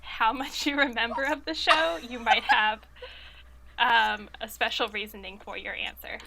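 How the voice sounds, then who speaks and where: A woman's voice: fairly high pitch, fairly even intonation, moderate pace, vocal fry, sharp tone, a little hiss or hum, poor audio. A woman running a casual quiz over a video call, explaining hesitantly and correcting herself as she goes. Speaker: story editor acting as trivia quizmaster. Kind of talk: casual, unscripted quiz hosting. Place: indoors on an online video call.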